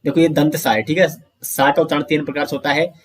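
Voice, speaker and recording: A man teaching an online grammar lesson, explaining step by step, asking questions and answering them himself, and saying sounds out slowly for pronunciation drills. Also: a little high, little pitch movement, husky. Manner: often addresses listeners as friends.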